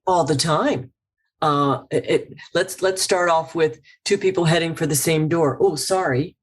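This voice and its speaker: A woman's voice: deep voice, steady tone, a little slow. A woman guest and author speaking with passion in a casual interview, acting out example phrases as she coaches on what to say. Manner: emphatic, acts out example phrases.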